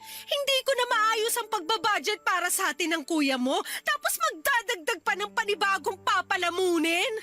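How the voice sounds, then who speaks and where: A woman's voice: extremely high pitch, lively intonation, moderate pace, bright, forceful tone, faint music behind, exaggerated voice. A woman playing a young wife in a radio drama, heated and scolding. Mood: angry. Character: angry young wife, sharp and confrontational.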